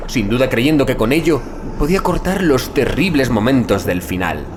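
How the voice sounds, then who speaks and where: A man narrating a horror audiobook in a dramatic, solemn and deliberate literary manner. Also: mid-range voice, lively intonation, noisy background. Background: background music.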